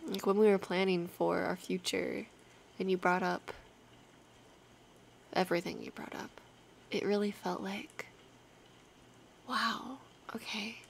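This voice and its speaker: A young adult woman speaking softly, often half-whispering, in a casual, intimate girlfriend roleplay with a slightly hesitant delivery. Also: mid-range voice, steady tone, takes it slowly, long pauses. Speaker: ASMR roleplay performer playing an affectionate girlfriend. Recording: clear background noise, rainy night ambience. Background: rain ambience.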